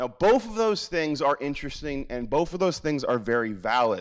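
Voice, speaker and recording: Against a quiet background, a man speaks loudly in an animated tone. His pitch swings very widely. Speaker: teacher. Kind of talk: school assembly speech.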